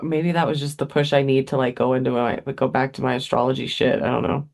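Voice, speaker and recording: A woman's voice: extremely low pitch, little pitch movement, fast talker, vocal fry, darkish tone. A woman co-hosting a podcast in casual chat, laughing often and swearing freely. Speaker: podcast co-host.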